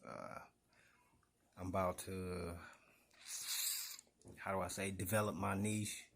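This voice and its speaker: A man's voice: deep voice, a little hiss or hum. A man with a Detroit accent, talking casually to his viewers in a rambling vlog about himself, full of fillers and restarts. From Detroit, Michigan. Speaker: vlogger.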